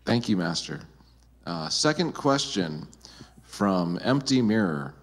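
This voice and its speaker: A man's voice: fairly low pitch, very animated, slow. A man acting as moderator, carefully reading out questions in a polite, deferential way. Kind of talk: careful reading aloud to a teacher.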